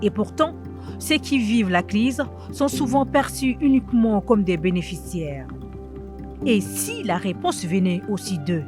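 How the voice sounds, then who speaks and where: A woman reading a measured, solemn documentary voice-over. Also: medium pitch, expressive. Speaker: narrator. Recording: music underneath.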